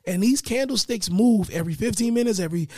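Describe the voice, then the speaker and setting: A man hosting his own podcast in a casual motivational style, with a raspy voice that is giving out, often checking in with his listeners. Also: high-pitched, quick pace, no room sound, clean studio sound. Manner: energetic, hyped greetings, repeats "right?". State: losing his voice. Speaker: podcast host.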